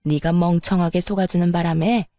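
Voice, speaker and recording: A woman's voice: fairly low pitch, fairly even intonation, brisk, dark tone, no room sound, studio quality, faint music behind, natural voice. A woman playing a scheming older mother-in-law. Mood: gloating. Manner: gloating, then fake wailing.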